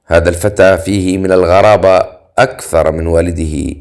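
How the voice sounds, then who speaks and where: A man's voice: deep voice, steady tone, brisk, a little mellow, smooth. A man voicing a sarcastic, commanding older tribal chief in an audiobook. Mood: mocking.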